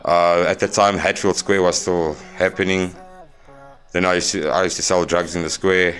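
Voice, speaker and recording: A young South African man telling his life story as a podcast guest, plain-spoken and halting with fillers. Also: deep voice, flat delivery, a bit bright. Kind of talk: candid interview storytelling.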